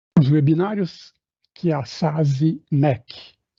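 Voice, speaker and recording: Dark, mellow tone from a man pitched fairly high. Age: 70s. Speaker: webinar moderator, education professor. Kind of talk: moderated webinar introduction. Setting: video webinar at a computer.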